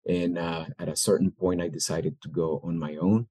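Low-voiced man, dry close mic. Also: steady tone, normal speed, warm tone, slightly rough, no room sound. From El Salvador. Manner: thoughtful, with many fillers and restarts. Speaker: guest, business owner. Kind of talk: interview answers.

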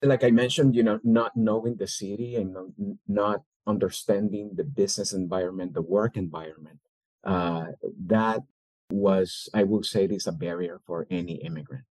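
Low-voiced man, dry close mic. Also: steady tone, moderate pace, darkish tone, no echo, poor audio. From El Salvador. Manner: thoughtful, with many fillers and restarts. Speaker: guest, business owner. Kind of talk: interview answers.

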